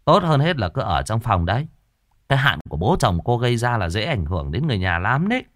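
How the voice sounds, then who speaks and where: A man playing a brisk, confident male exorcist who gives firm instructions. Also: mid-range voice, big pitch swings, a bit bright, no echo, studio quality.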